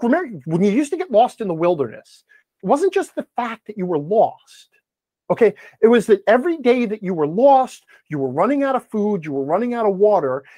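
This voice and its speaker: A man's voice: high voice, a little mellow, dry recording. A middle-aged man talking opinionatedly and conversationally as a podcast guest, emphatic and given to sarcastic asides. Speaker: podcast guest, tabletop gaming blogger.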